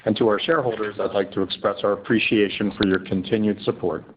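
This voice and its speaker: Male exec, lowish voice, formal scripted remarks, muffled lo-fi call sound. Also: steady tone, fast talker, slight background noise. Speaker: company executive on earnings call. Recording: dull lo-fi conference call audio.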